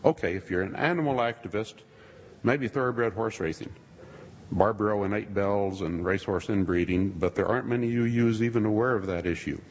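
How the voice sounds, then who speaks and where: A man giving a sermon-style talk to a congregation, with dry, wry asides and a husky voice. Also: fairly low pitch. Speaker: speaker addressing a congregation. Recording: long reverb of a large hall.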